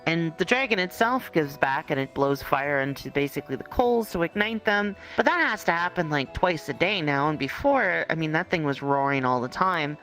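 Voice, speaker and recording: A game master improvising second-person roleplay narration in a conversational, halting way. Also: mid-range voice, lively intonation, fairly bright tone, faint music behind, low-quality recording. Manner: conversational, halting storytelling with hedges.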